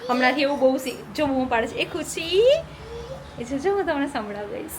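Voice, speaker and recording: A young woman with a high voice chats casually to her viewers, often checking in with them as she goes. She is a mother recording a family vlog on a handheld phone. Steady background noise runs under the voice. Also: fairly quick. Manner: chatty, keeps checking in with viewers.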